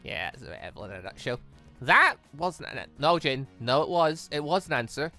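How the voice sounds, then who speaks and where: The voice is bright and forceful, with pitch that swings widely. It belongs to a gaming host doing a lively read-along of a visual novel, rambling into personal asides between lines. Faint music sits behind the voice. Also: a little fast. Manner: animated, rambling, slips between reading and reacting. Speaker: YouTube host reading a visual novel aloud.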